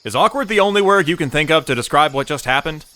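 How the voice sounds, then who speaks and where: A man's voice: a little high, expressive, fast talker, pushed and bright. A man narrating an audio drama in a composed, drily amused storytelling manner. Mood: composed, dry.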